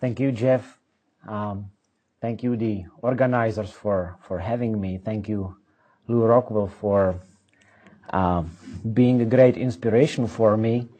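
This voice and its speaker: A man's voice: on the low side, fairly even intonation, takes it slowly, muffled recording. A Czech man with a Czech accent speaking English as a second language, giving a conference lecture as an economics professor with dry humor and many hesitant ums and restarts. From Czech Republic.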